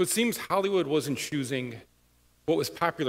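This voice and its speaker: Over a silent background on a very clean recording, a man talks at a very fast pace, his fairly high pitch moving with lively intonation. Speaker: game developer and conference speaker. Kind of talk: conference talk.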